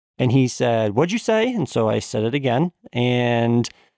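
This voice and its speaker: A man at medium pitch speaks at a moderate pace in an unremarkable speaking voice, with a dry, close sound and no echo. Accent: American. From Connecticut, US East Coast. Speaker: critical care physician. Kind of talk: casual interview. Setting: studio.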